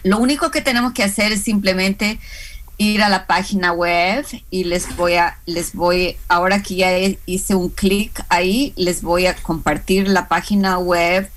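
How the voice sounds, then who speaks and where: A woman's voice: lowish voice, fairly even intonation, measured pace. A woman with a Hispanic accent, a small business instructor, explaining as an interview guest with many fillers and restarts. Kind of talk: radio and live stream interview guest.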